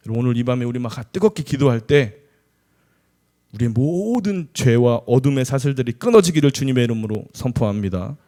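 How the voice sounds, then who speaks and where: A man's voice: medium pitch, lively intonation, brisk, mellow. A middle-aged man, an associate pastor, preaching a conversational sermon with humorous asides.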